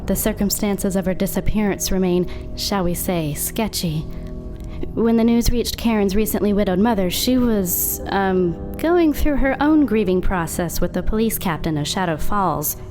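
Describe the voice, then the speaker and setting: An actress playing a young small-town narrator of a horror audio drama, wry, measured and knowing. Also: female voice, mid-range voice, music in the background, natural voice. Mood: wry, ominous.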